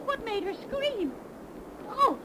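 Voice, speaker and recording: An excitable young wife speaks in a very high, swooping voice. She talks breathlessly and with strong emotion. Hiss from an old 1930s radio recording sits under her. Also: takes it slowly, exaggerated voice. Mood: frightened. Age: young adult. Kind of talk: 1930s radio drama acting.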